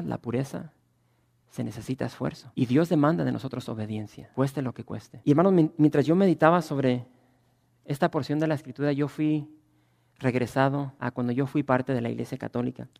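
A man preaching a sermon, rising to loud emphatic swells and dropping to quiet passages. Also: mid-range voice, gravelly. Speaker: pastor.

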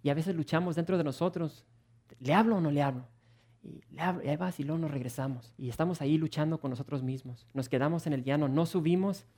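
A man delivers a sermon to his congregation, earnest and animated. His voice sits a little high for a man, and he often repeats words and restarts phrases. He keeps asking rhetorical questions and calls his listeners brothers and sisters. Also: fast. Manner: earnest and animated, with frequent word repetitions and restarts. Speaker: preacher.

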